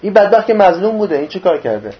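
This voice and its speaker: Man, high-pitched voice, religious lesson, reads arabic then explains, rhetorical questions, muffled lo-fi recording. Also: big pitch swings. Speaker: religious teacher. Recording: dull lo-fi recording.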